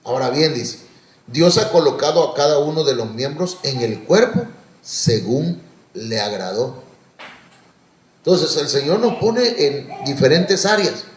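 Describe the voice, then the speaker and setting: A man preaches in a folksy, conversational way, telling stories with asides and restarts. His pitch is mid-range, and he lifts his voice when he urges the congregation to serve. The echoey church room rings around him. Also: expressive, unhurried. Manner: exhorting, rising on calls to serve. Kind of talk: conversational sermon.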